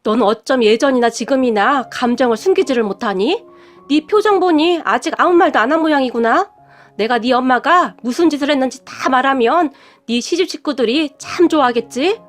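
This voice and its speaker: Storybook figure: high-pitched sneering aunt, greedy and scheming, read by a woman narrator, faint music under. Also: moderate pace, lightly acted. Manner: sneering, taunting.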